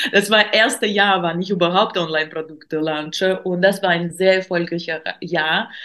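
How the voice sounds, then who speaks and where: A woman with a Russian accent, bright and sharp in tone, with fairly even intonation. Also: fairly low pitch for a woman, moderate pace. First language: Russian (speaking German). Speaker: social media coach and entrepreneur. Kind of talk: podcast interview. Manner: halting, many fillers.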